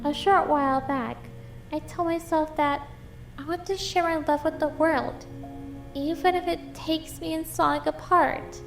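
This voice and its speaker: Casting: woman as kindly young cartoon hedgehog heroine, very high voice, slow earnest delivery, audio drama. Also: fairly even intonation, creaky, soft background music. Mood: hesitant, thoughtful.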